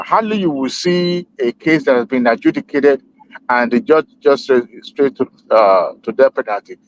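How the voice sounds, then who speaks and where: A man's voice: medium pitch, slight background noise. Man on a lo-fi group voice chat. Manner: measured, argumentative, many hesitation fillers. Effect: heard over a group voice chat connection. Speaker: panel discussant. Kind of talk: debate on a group call. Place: at home in Texas. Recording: dull lo-fi online call audio.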